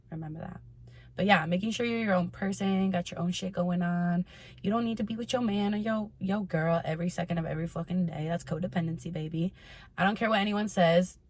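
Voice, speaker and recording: A woman's voice: on the low side, a little mellow, dry recording. A woman hosting a casual advice vlog, talking candidly and informally to her followers and swearing freely. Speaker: host of a personal advice vlog. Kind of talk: casual chatty monologue to followers.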